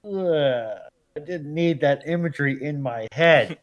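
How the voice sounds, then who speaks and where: A man's voice: fairly high pitch, measured pace, highs cut off. A man chatting casually as a co-host on a livestream.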